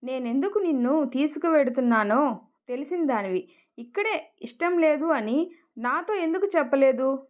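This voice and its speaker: A woman's voice: high-pitched, animated, moderate pace. A woman voicing an angry young husband whose held-back rage breaks through in clipped, menacing questions. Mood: restrained fury. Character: furious young husband, barely restrained anger.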